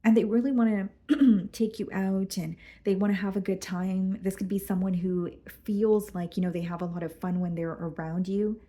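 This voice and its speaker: A woman doing a casual tarot reading, going hoarse and clearing her throat as she talks through the cards with some hesitation. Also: mid-range voice, fairly even intonation, normal speed, dark tone. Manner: careful, hesitant, repeats words. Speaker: tarot reader.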